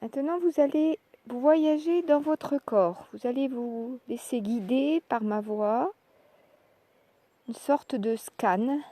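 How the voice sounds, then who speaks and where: A woman leading a guided yoga relaxation, speaking calmly and in measured short phrases with pauses. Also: high voice, no echo. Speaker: yoga nidra relaxation instructor. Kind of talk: guided meditation, soft instructional narration.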